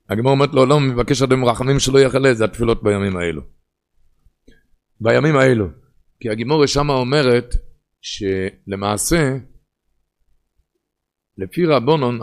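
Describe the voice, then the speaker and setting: Speaking at a medium pitch, a man preaches a sermon in an Ashkenazi Hebrew pronunciation. His delivery follows a lilting study cadence, rising loud and then dropping to a hush.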